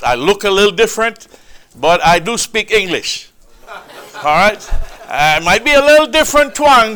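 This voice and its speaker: A man preaching a sermon, with a loud, booming, emphatic delivery, speaking into a microphone in a church hall. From Trinidad. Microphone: handheld or stand mic.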